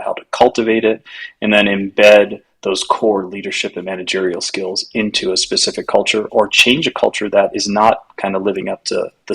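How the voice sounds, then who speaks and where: A man with a low, gravelly voice answers in a relaxed, reflective way, building each point through rhetorical questions. His tone is husky and slightly rough. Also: low-quality recording. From United States, raised in Latin America. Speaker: guest, culture consultant. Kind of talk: conversational interview answers.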